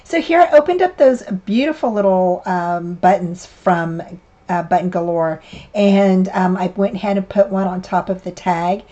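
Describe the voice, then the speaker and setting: An older woman, hosting a card-making tutorial in a casual, rambling way with many fillers. Her voice is a little raspy and hoarse from a lingering cough. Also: lowish voice, normal speed, mellow, muffled recording. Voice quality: slightly raspy. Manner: chatty, meandering, with many fillers and restarts. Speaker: craft channel host. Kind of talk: casual craft tutorial narration.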